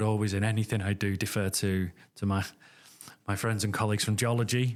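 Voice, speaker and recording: A man with a northern English accent, fairly low in pitch, fairly even in intonation and at a fairly quick pace. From Northern England. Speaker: academic researcher. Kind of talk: podcast interview answer. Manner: hesitant, thoughtful.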